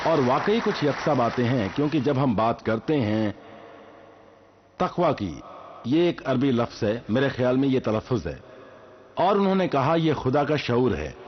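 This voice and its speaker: An older man from Sindh, presiding at a public lecture, gives a formal address in an earnest, measured way, speaking in short phrases. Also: mid-range voice, husky, lo-fi sound.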